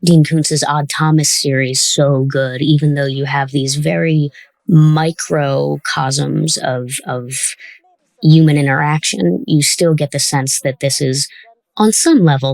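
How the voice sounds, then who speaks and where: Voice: mid-range voice, steady tone, unhurried, creaky, no echo. A podcast host in a casual interview and commentary, talking in a thoughtful, encouraging way as the show's creator.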